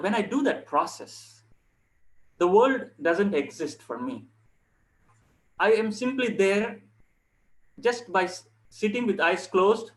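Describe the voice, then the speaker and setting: Higher-pitched man, earnest yoga instructor. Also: fairly bright tone, rough recording. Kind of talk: informal instructional talk to online viewers.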